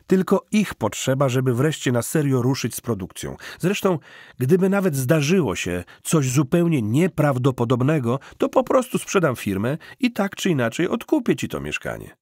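A man's voice: a little high, a little mellow, no room sound, studio quality, voice pushed up. A man voicing an eager, persuasive hustler in an audiobook, with an emphatic, coaxing salesman manner. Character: smooth-talking eager hustler cousin, persuasive adult man.

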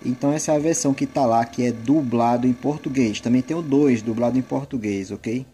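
A man's voice: medium pitch, fairly quick, slight background noise. A man with a Brazilian accent giving casual, rambling gameplay commentary. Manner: rambling, conversational. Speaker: gaming video creator. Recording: loud game music behind.

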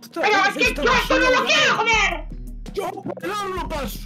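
A man putting on a shrill, swearing little boy's voice while gaming. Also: animated, rapid-fire. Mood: squealing angry. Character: squeaky foul-mouthed little boy. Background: game music.

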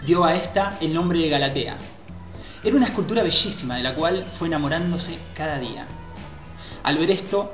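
Animated man on a headset, echoey room. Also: a little high. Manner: animated, gesturing with both hands. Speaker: host. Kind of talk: explanatory talk on a video call. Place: small room with a white wall, indoors. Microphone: headset mic. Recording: echoey room with faint music.

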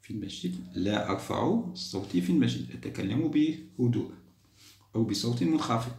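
A man's voice: medium pitch, animated, a little fast, creaky, a little mellow, reverberant. A man from Algeria, a primary school teacher patiently explaining a test to children, repeating points and praising them.

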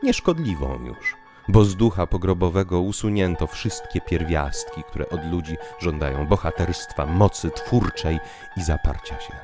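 Male narrator for literary audio drama: deep bass, unhurried, declamatory, hushed to emphatic, over music. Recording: piano music behind the voice. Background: piano music.

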